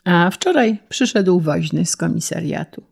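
A woman reading a humorous first-person story aloud in a slow, wry narration. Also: fairly low pitch, expressive, creaky, a little mellow, slightly rough. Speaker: reader.

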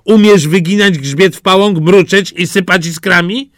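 A man's voice: sits high, normal speed, no room sound, studio quality, pitched above the performer's own voice, lightly acted. A man voicing a smug male house cat in a storybook, talking down in a condescending way.

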